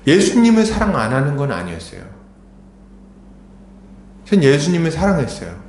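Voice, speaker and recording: A man's voice: huge pitch swings, normal speed, a little mellow, slight background noise. A middle-aged man pastor preaching a sermon in a church, conversational and full of rhetorical questions. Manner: grows urgent and raised in pitch. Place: church sanctuary. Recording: echoey church hall.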